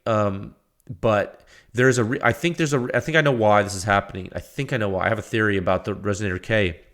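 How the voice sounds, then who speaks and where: A man hosting a technical podcast, congested from a cold, explaining measurements in a halting way with many restarts. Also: fairly low pitch, a bit bright. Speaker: podcast host. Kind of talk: technical talk.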